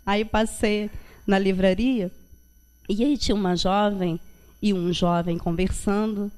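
A woman's voice: medium pitch, darkish tone. A woman from Rio de giving an informal, reflective religious talk, often adding little checking tags. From Brazil. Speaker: guest lecturer at a Spiritist centre. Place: meeting hall with projection screen.

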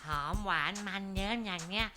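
A woman voicing a lazy, gluttonous young ladybug in a children's story, in a whiny, excitable manner. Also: mid-range voice, brisk, over music, natural voice. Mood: greedy delight.

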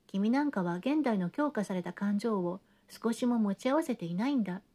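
A woman's voice: mid-range voice, animated, normal speed, mellow, natural voice. A woman reading an audiobook, voicing a scornful young man who lectures and mocks. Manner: mocking, lecturing. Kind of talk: audiobook reading of a classic novel.

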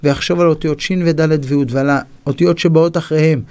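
Animated high-voiced rabbi preaching. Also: male voice. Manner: animated, acts out the dialogue of his stories. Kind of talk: sermon with storytelling.

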